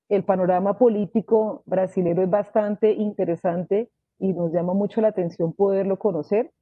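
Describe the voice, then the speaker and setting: A woman moderator formally introducing a guest speaker in a measured, organized way. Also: mid-range voice, no echo. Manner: measured, organized, addressing an audience. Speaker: host and moderator. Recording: tinny, phone-like, dry audio.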